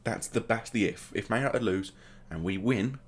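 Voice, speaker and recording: A man's voice: on the low side, normal speed, slightly rough. A man hosting a gaming video, casually commentating the play as it happens and adding joking asides. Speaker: gaming channel host.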